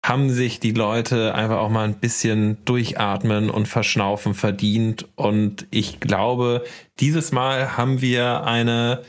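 A man's voice: medium pitch, little pitch movement, slow. A man co-hosting a podcast in casual chat, teasing and nitpicking at an easy pace. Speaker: podcast co-host.

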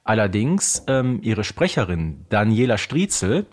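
A man's voice: lowish voice, big pitch swings, a little slow. A man with a German accent talking casually on a podcast about audio plays, in a knowledgeable, detail-minded manner. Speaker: podcast co-host or guest.

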